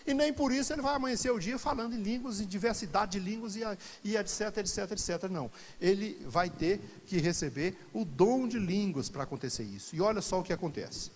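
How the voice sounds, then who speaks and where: A pastor leading a Bible study sermon to a congregation, swinging from quiet asides to loud, animated exclamations. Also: male voice, sits high, fast, hardly any pauses, in a large hall.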